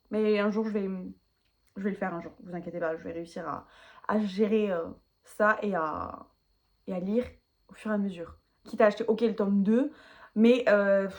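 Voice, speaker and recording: A woman's voice: medium pitch, a little mellow. A woman vlogging casually about books she owns but has not read, chatty and self-mocking, rambling with many asides. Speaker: book vlogger. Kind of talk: casual chat to camera.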